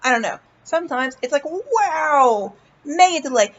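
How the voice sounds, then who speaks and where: A woman chatting casually in a personal vlog, goofy and playful, swearing freely and haltingly repeating words as she searches for them. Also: high-pitched, expressive, muffled recording. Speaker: vlog host. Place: indoors, lying in a hospital bed with a fan running.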